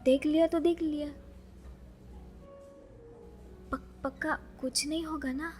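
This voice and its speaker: A woman playing a chatty, dreamy young librarian who is easily flustered, musing softly to herself in an audio romance drama. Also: high-pitched, steady tone, normal speed, soft background music, lightly acted. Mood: flustered, panicky.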